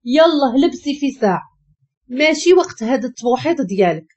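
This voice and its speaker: A woman's voice: sits high, lively intonation, a little fast, darkish tone, slightly rough. A woman with a Moroccan accent voicing an angry young husband in a told story, with curt, barking commands. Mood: scornful. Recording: dull lo-fi recording.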